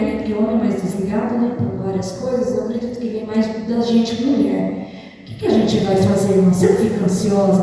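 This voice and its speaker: A woman's voice: a little high, mellow, slight background noise. A woman evangelist with a Brazilian Portuguese accent, preaching a sermon at an intercession meeting in a conversational way and often calling out to her listeners. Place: church hall. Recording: distant voice in an echoey hall.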